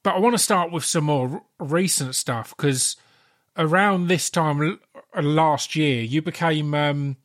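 British guy hosting a podcast, bit higher voice, matey casual chat, sweary. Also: unhurried. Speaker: podcast host.

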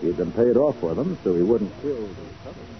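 Guy acting as confident american detective, 40s radio drama, swingy animated pitch, dull old recording. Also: quick pace, crowd noise, natural voice. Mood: confident, explaining. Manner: confident, explanatory, showman-like. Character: shrewd, self-assured male private detective. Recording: muffled, noisy 1940s radio recording.

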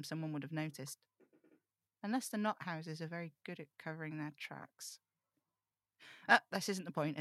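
A woman's voice: lowish voice, a bit bright, dry recording, clean studio sound, natural voice. A woman playing a rambling, fretful young amateur occult investigator in an audio drama table read, chatty and self-interrupting, confiding in her listeners.

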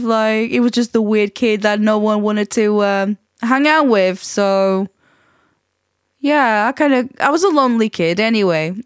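A woman's voice: mid-range voice, clean tone, no room sound, studio quality. A woman from Portugal with a Portuguese accent and a slight Yorkshire twang, hosting a casual solo podcast in a chatty, rambling way with many fillers and restarts. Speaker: podcast host.

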